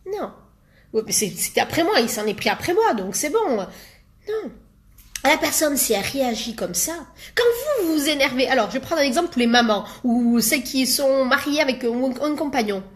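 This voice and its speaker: A woman life coach speaks straight to her viewers in a casual motivational talk. Her voice sits a little high, and she chats along with plenty of fillers, sometimes acting out small made-up exchanges. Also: expressive, moderate pace. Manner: chatty, many fillers, acts out little quoted exchanges.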